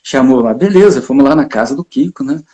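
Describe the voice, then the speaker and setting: Mellow-voiced reporter storyteller. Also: male voice, medium pitch, brisk. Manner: lively, chuckles often, acts out other people's voices. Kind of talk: storytelling anecdote in an interview.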